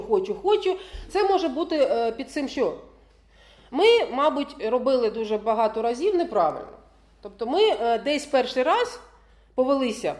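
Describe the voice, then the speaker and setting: Woman lecturer for parents, higher voice, lively melody, keeps asking if you agree. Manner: keeps checking in with the audience; laughs often while talking.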